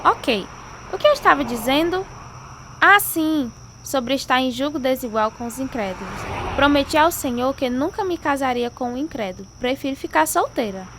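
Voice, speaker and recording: A woman acting as a devout, sincere young pianist in a radio drama, speaking in an earnest, gently firm way. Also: high-pitched, animated, moderate pace. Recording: loud car ambience noise.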